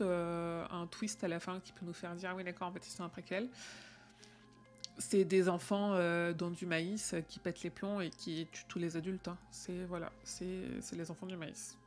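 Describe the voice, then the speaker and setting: Woman rambling casually on a live stream, lots of euh, soft music underneath. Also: medium pitch. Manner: chatty, with many fillers and restarts.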